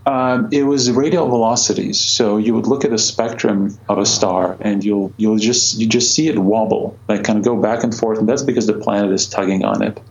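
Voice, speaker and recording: Low gravelly man with many fillers. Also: fairly even intonation, moderate pace, hardly any pauses, highs cut off. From Croatia. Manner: hesitant, many fillers and restarts. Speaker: astronomer guest. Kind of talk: conversational interview answers.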